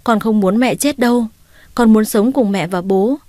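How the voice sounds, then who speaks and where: A woman's voice: a little high, normal speed, mellow, no room sound, clean studio sound, voice pushed up, natural voice. A woman voicing a small girl who begs her father through tears in a storybook reading. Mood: pleading. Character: small girl pleading tearfully.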